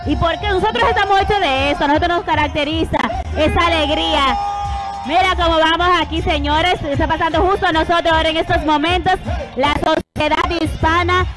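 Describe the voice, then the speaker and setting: A woman's voice: very high-pitched, fairly even intonation, brisk, over loud music, low-quality recording. A woman in her thirties with a Dominican accent, co-hosting live parade coverage outdoors on a handheld mic, talking in an effusive, exclamatory way. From Dominican Republic. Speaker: parade broadcast co-host. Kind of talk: live event commentary. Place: outdoors on a parade float in a busy city street.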